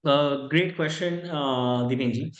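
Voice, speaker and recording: A man's voice: fairly high pitch, measured pace, highs cut off. Indian man in echoey room, explaining. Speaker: company executive answering investor questions. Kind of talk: conference call question and answer. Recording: echoey room on conference call.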